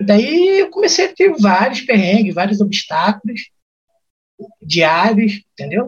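Lively intonation carries speech at a very slow pace. Long, frequent pauses appear throughout. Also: man, high pitch for a man. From Rio de Janeiro, Brazil. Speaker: former emigrant telling his story. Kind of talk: radio interview.

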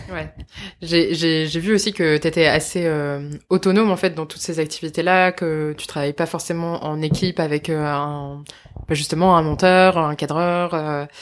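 A woman speaks at a fairly slow pace in a fairly low voice. Her intonation stays flat and monotone. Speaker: podcast host. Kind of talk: casual interview. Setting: at guest's home.

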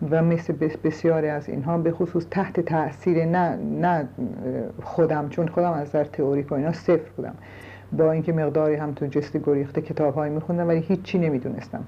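Monotone, flat intonation at a very fast pace. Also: woman, very deep, low pitch for a woman. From Iran, Tehran. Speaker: historian, former university professor. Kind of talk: oral history interview.

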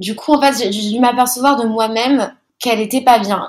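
A woman talks at a fairly quick pace in a somewhat breathy, fairly high voice with fairly even intonation. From Madagascar, then raised in France. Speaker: Instagram content creator on ecology and veganism. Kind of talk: interview. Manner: hesitant, many fillers.

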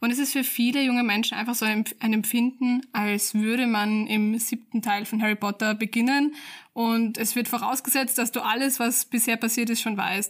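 At a moderate pace, a woman with a fairly high pitch speaks in monotone, flat intonation and very even loudness, on a very clean recording with a silent background. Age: 20s. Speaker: podcast co-host, medical student. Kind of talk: casual chat.

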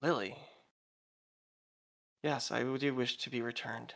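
Putting on a raspy character voice, a man speaks at a moderate pace and a medium pitch.

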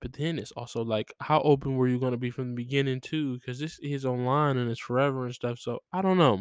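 A man with a medium pitch talks at a fairly quick pace, hardly pausing, with fairly even intonation. The sound is dry and close with no echo. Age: 20s. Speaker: solo podcaster. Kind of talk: casual monologue. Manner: halting.

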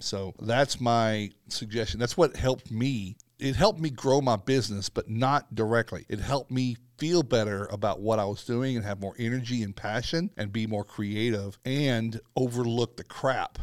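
A plain, everyday voice at a moderate pace, with ordinary pitch variation and hardly any pauses. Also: man, medium pitch for a man, very clean recording, silent background. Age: 50s. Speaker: podcast host and business coach for restoration contractors. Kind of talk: casual solo podcast monologue. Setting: studio.

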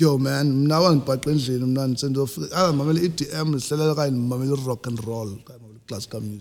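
Very fast and with hardly any pauses, a man with a South African accent talks at medium pitch with ordinary pitch variation and big swings in loudness. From South Africa, Eastern Cape (Mdantsane). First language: isiXhosa. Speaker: musician and radio personality. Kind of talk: casual chat. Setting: studio.

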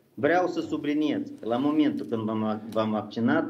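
A man's moderately paced speech has noticeable background noise behind it. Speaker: district vice-president. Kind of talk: interview. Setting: video call.

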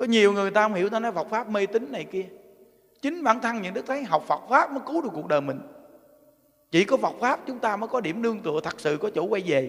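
Talking at a very fast pace, a man with a high voice uses lively intonation over noticeable background noise. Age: 60s. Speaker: Buddhist teacher giving a dharma talk. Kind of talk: dharma talk. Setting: temple hall with audience.

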